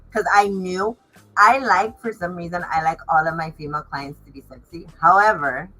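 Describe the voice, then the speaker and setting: Casting: woman, low pitch with a bright edge, informal and emphatic interview guest. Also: low-quality recording. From Los Angeles area, United States. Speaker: fashion designer and stylist, interview guest. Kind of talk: casual interview chat.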